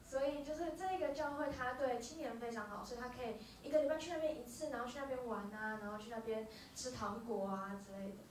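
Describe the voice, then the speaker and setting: A woman interpreting live from a stage, speaking quickly with short filler hesitations. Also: on the high side, slight background noise. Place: small dark music venue. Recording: roomy venue, from far off.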